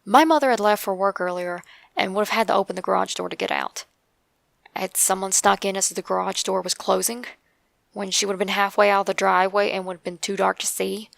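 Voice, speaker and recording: A woman with an Appalachian accent narrates a scary first-person tale. Her mid-pitched voice is thick with gravelly creak. She tells it in a measured way with dramatic pauses, recorded very dry. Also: steady tone, fairly bright tone, dry recording. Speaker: narrator of true scary stories.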